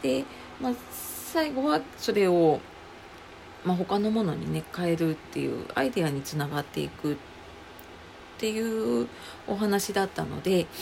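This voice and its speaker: Through noticeable background noise, a woman with a fairly low pitch speaks at a fairly slow pace, her pitch swinging very widely. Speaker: podcast host and welfare worker. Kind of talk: solo talk show monologue. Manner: halting with many fillers.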